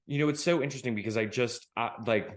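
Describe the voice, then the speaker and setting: A man's voice: medium pitch, quick pace. A man hosting a podcast, from rural Iowa, talking in a thoughtful, hesitant way with many fillers. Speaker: podcast host. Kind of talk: casual interview conversation.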